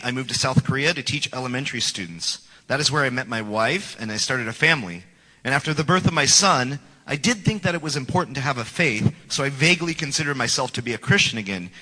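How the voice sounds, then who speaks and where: A man's voice: mid-range voice, pushed and bright. A man in his forties giving an earnest, prepared church testimony and acting out his past scorn, in a church sanctuary. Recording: long hall reverb.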